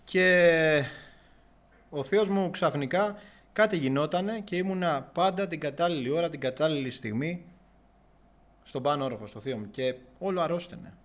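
Earnest young man, slightly high voice, halting faith testimony. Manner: earnest, halting, with restarts and long pauses. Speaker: giving a religious testimony. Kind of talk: personal testimony, storytelling.

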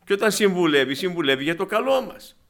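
A man preaching a sermon in a bright, forceful voice that sits a little high. He is animated, keeps calling the congregation brothers and sisters, and acts out the people in his stories. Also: vocal fry.

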